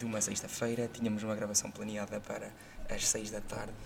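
A man speaks very fast in a fairly low voice while noticeable noise sounds in the background. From Portugal, Chaves (Trás-os-Montes). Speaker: podcast host. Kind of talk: casual chat. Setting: rooftop venue.

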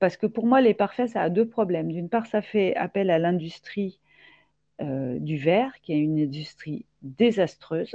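This woman speaks at a fairly slow pace with lively intonation. Her pitch sits in the medium range. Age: 50s. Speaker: ceramic artist. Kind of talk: interview. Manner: halting, many fillers and repetitions.

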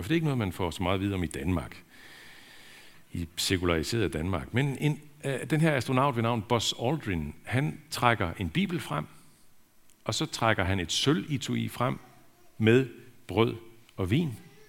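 Speaking at a moderate pace with long, frequent pauses, a man of medium pitch shows vocal fry and very wide pitch swings. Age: 60s. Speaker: pastor. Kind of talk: sermon.

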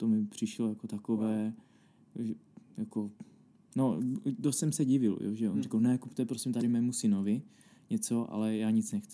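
A man's medium-pitched voice with a dark, mellow tone, ordinary pitch variation and a moderate pace, broken by long, frequent pauses, in a very clean recording with a silent background. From Český Těšín, Moravian-Silesian Region, Czechia. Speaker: trainee lawyer. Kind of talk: interview.

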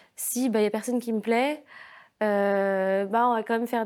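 A woman's fairly high voice at a moderate pace, in a very clean recording with a silent background. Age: 20s. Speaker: actress. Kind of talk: casual chat.

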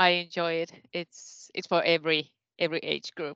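At a moderate pace, a woman with a fairly low pitch and a bright, sharp tone is heard in a dry, close sound with no echo. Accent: Finnish. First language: Finnish. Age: 40s. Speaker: senior lecturer in civil engineering. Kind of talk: casual round-table discussion. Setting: video call.

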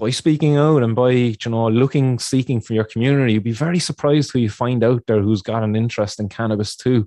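Very fast speech from a man with a strong Irish accent, medium-pitched, dark and mellow, with ordinary pitch variation, dry and close with no echo against a quiet background. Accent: Irish, thick. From Ireland, Cork. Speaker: cannabis activist. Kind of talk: podcast interview. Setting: remote call, late night his time. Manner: halting, many fillers and repetitions.

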